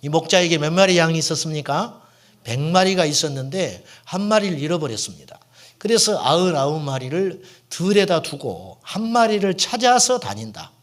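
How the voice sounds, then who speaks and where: Male pastor, middle-aged, sermon, fairly high voice, very expressive pitch, rhetorical questions, occasional hushed whispers. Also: moderate pace. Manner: asks the congregation questions and answers them himself; drops to a hushed, whispered tone for emphasis. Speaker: senior pastor.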